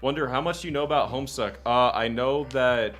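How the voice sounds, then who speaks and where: A man's voice: mid-range voice, a little fast, fairly bright tone. A young man chatting casually on a livestream as a guest, rambling and self-deprecating, swearing casually. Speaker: guest content creator. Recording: lofi music playing faintly behind.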